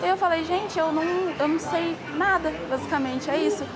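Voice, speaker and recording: A woman's voice: very high voice, a little fast, a loud crowd. A young woman speaking earnestly and enthusiastically in an interview. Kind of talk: casual interview testimony. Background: background music.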